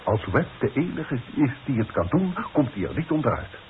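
Irritable, commanding Dutch boss, acted by a man, very animated intonation, pompous and curt, 1960s radio play with faint hiss. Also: mid-range voice, brisk, close to an everyday voice. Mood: insistent. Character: imperious, irritable company boss, impatient and cost-minded. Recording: dull, hissy old radio broadcast recording.

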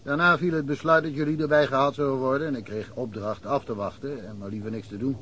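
An actor playing a chatty rural police chief in a radio play, rambling through anecdotes. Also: male voice, mid-range voice, fairly even intonation, fast talker, fairly bright tone, close to an everyday voice. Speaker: village policeman. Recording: old radio play with faint hiss.

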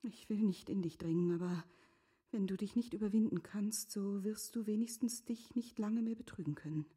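Radio drama wife, middle-aged played by a woman: sensible, pleading, formal, soft dark tone with a husky breath. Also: mid-range voice, natural voice. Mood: quiet pleading. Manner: measured, formal phrasing, often hushed and breathy. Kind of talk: literary radio drama acting.

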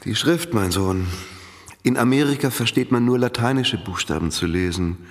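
An actor playing an earnest, patient, learned Catholic parish priest in a radio drama, measured and instructive. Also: male voice, medium pitch, in a large hall, close to an everyday voice. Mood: kindly instructive. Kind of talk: German radio drama acting.

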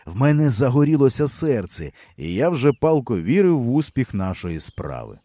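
A man narrating an audiobook in a lively storytelling manner. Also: mid-range voice, moderate pace, no room sound.

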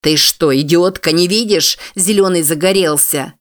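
A narrator voicing an impatient, aggressive man driving a pickup, yelling insults. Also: mid-range voice, normal speed, vocal fry. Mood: angry. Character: rude truck driver man, aggressive and impatient.

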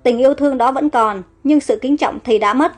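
A woman's voice: sits high, brisk, faint music behind. Woman voicing an anxious, heartbroken young queen. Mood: anguished.

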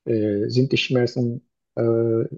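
Guy playing doctor asking patient questions, halting, lots of ums, dark gravelly voice, dull lo-fi sound. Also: mid-range voice, little pitch movement, no echo. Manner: slow, halting, many "äh" and "mhm". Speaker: doctor taking a history. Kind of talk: medical exam role-play. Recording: dull lo-fi recording.

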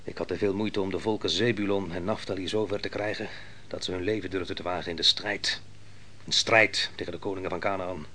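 An actor playing a proud, ruthless biblical army commander in a radio drama, speaking in a grand, declamatory style. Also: male voice, low voice, steady tone, fairly quick, pushed and bright, slight background noise. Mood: bitter, brooding. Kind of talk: theatrical radio drama monologue and dialogue.

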